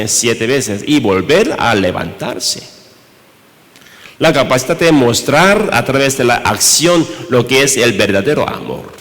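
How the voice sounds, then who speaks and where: A man from Korea with a Korean accent, preaching a sermon in Spanish as pastor, halting, with many rhetorical questions. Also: mid-range voice, fairly bright tone. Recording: reverberant church hall.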